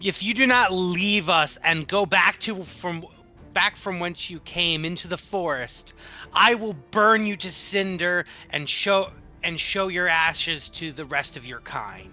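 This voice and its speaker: Over faint background music, a man puts on a high-pitched character voice and speaks at a fairly slow pace. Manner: intimidating, threatening.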